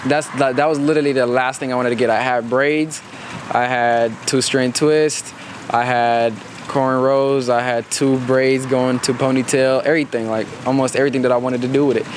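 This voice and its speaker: A man's voice: mid-range voice, fairly even intonation, moderate pace. Chill young guy from ethiopia, slangy rambling chat, noisy outdoor hum behind. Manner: laid-back, slangy, rambling. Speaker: guest. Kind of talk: casual chat.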